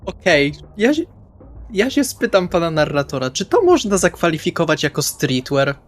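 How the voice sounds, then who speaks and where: A man's voice: fairly high pitch, sing-song, moderate pace. A man speaks as a player in a role-playing session. He has a conversational delivery and narrates what his character does in casual, improvised phrases. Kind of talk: casual describing of own character's actions.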